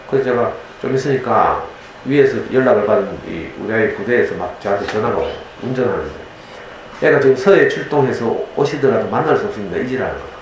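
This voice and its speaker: A middle-aged man at a parents' lecture, recounting a story in a mid-pitched voice and acting out the lines of each person in it. The sound rings heavily around a big, echoey room, and a faint hiss runs underneath. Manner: animated storyteller acting out dialogue.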